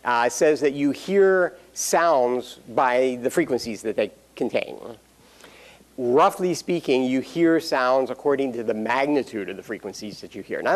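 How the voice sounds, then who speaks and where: Male professor, mid-pitch, casual classroom delivery, dry humor, lots of fillers. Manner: explanatory, dry jokes, frequent fillers. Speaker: university lecturer. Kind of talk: classroom lecture.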